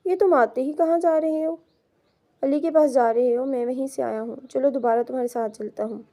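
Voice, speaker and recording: A woman voicing a lively, anxious young man. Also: high-pitched. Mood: playful. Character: carefree teasing young man, worried brother-in-law.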